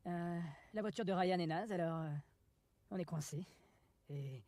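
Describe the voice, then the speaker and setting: A man's voice: sits high, measured pace, darkish tone, dry recording. An actor playing a sarcastic young man who grumbles while stranded on a road trip.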